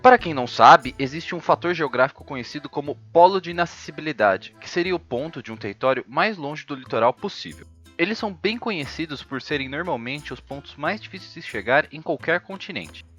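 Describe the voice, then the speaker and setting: Man, history host, scripted narration, ironic asides, animated pitch, faint background music. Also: brisk, highs cut off.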